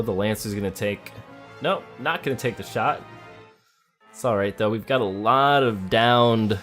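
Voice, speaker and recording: A man's voice: fairly low pitch, fairly bright tone. A man giving casual let's play commentary on a video game, thinking aloud and talking to the characters as he plays. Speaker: gamer playing a video game.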